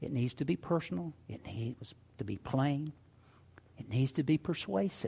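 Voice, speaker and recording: In a very clean recording with a silent background, a man's dark, mellow tone sounds somewhat breathy, with lively intonation. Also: medium pitch for a man, moderate pace. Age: 70s. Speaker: pastor. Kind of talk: sermon. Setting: church.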